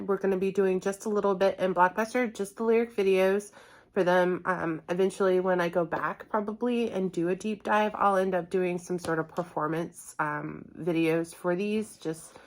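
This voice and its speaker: A woman hosting a reaction channel, chatting casually to viewers in a rambling, self-correcting and somewhat apologetic way. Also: medium pitch. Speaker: host of a music reaction channel.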